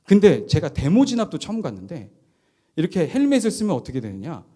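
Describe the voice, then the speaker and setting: A middle-aged man, a pastor, preaching by telling a personal story with lively, chuckling delivery. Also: on the high side, fairly quick.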